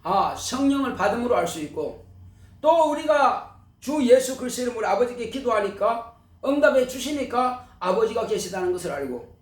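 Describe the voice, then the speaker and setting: A man's voice: very high-pitched, sing-song, moderate pace, roomy sound, distant mic. A male pastor preaching a sermon, emphatic and full of rhetorical questions to his congregation. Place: church sanctuary.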